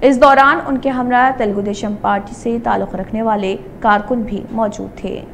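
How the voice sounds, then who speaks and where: High-pitched woman reading the news. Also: fairly even intonation, moderate pace, vocal fry, slight background noise. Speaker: news anchor. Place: TV studio.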